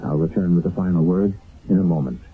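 Low-voiced male radio host over music. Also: quick pace. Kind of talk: solemn scripted radio narration. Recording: tinny old radio broadcast.

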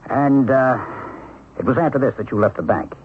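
A man acts out a police lieutenant in a seventies radio play, questioning in a measured, probing way. His medium-pitched voice comes through a thin, narrow broadcast recording with faint hiss. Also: lively intonation, close to an everyday voice. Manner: measured, inquisitive. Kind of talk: 1970s radio drama acting.

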